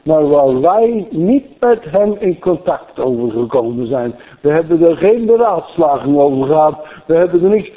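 A man preaching a storytelling sermon, animated and repeating phrases for emphasis, heard through a thin, phone-like radio broadcast. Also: fairly high pitch, moderate pace, few pauses.

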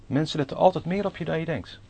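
A man's voice: fairly high pitch, quick pace, creaky, darkish tone. A man preaching a sermon, earnestly putting questions to the congregation and reading scripture aloud. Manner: reads scripture in old-fashioned formal Dutch.

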